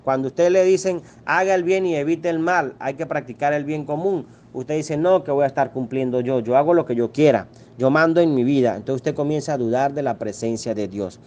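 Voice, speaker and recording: A man's voice: a little high, a little fast, hardly any pauses, a little mellow, muffled recording. A middle-aged man, a Catholic priest, preaching a sermon with emphatic rhetorical questions and brief acted-out quotes.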